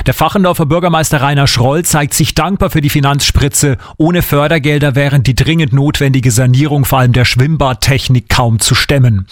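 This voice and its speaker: A man reading a regional news report in an even, matter-of-fact way. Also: mid-range voice, no echo, clean studio sound.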